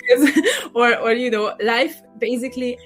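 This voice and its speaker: Guest, woman, 40s, Hungarian accent, chatty, laughs a lot, lots of fillers, faint music behind. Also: on the high side. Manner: chatty, laughs often, many fillers and restarts. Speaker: podcast guest, career coach. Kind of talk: casual interview storytelling.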